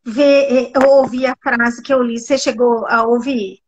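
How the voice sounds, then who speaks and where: High-voiced woman hosting an interview. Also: steady tone, measured pace, lo-fi sound. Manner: warm and gracious, laughs easily. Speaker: host, interviewer. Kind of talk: friendly interview.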